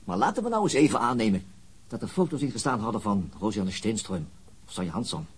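A persistent police interrogator in a crime radio play. His lowish, very husky voice talks quickly. He probes and insinuates, staying controlled as he presses. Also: lively intonation. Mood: baiting, quiet. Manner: insistent, probing. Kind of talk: radio crime drama acting.

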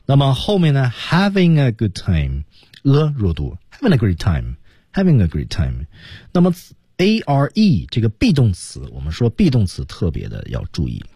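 A man's voice: mid-range voice, wildly swooping pitch, moderate pace, dark tone, slightly rough, no echo, clean studio sound. A man teaching English pronunciation on a radio lesson, modelling phrases and chatting with his co-host.

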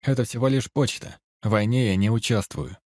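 A man voicing a polite, cooperative captured British airman, a young father, answering calmly and plainly. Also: medium pitch, a little fast, no room sound, clean studio sound, voice pushed up, lightly acted. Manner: calm, cooperative, matter-of-fact.

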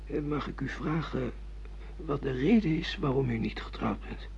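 A man's voice: medium pitch, moderate pace, vocal fry, darkish tone, a little hiss or hum, lightly acted. A man acting a bewildered, sardonic middle-aged amnesiac husband in a Dutch radio play, with theatrical, ironic delivery. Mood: polite, bewildered. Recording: muffled lo-fi radio play recording.

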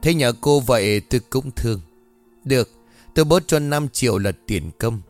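A man voicing a greedy, gruff male village sorcerer who speaks curtly and haggles dismissively. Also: mid-range voice, expressive, moderate pace, faint music behind, lightly acted. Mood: bargaining.

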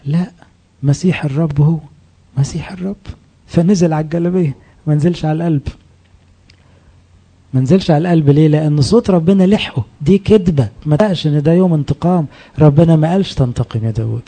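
A man preaching in an Egyptian accent, his voice very dark and a little husky. He talks in a lively, colloquial way, often asking his listeners questions and acting out the voices he quotes. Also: fairly high pitch, fast, pauses often. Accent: Egyptian Arabic. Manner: animated, asks the audience questions, acts out quoted voices. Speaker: priest. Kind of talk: colloquial sermon.

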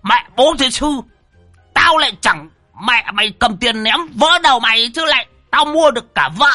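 A man's voice: expressive, normal speed, bright, forceful tone, soft background music, exaggerated voice. A man voicing a panicky, crude old man who yelps and curses in comic storytelling. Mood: shrill cursing. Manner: shrill yelping cries and curses.

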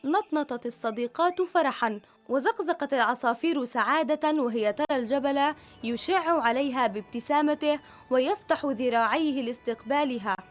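Woman narrator, children's story, high pitched, expressive, faint background music. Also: normal speed.

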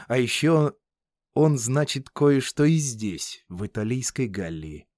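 Brief: exasperated Roman officer, practical, read by the narrator. Dry studio sound. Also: male voice, medium pitch, big pitch swings, takes it slowly, a little mellow, no echo. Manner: exasperated, warning. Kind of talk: audiobook character reading.

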